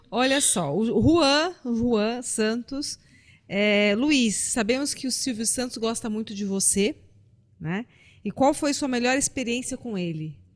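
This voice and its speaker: Her fairly high pitch and lively intonation come through as this woman talks at a very slow pace. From Brazil. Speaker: podcast co-host. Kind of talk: casual chat. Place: studio. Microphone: studio mic.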